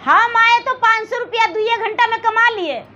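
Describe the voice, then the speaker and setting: A woman's voice: extremely high pitch, moderate pace, bright, forceful tone, dull audio, pitched above the performer's own voice. A woman storyteller voicing a stingy, boastful male village priest who brags and dismisses others in a folk tale. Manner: bragging, dismissive.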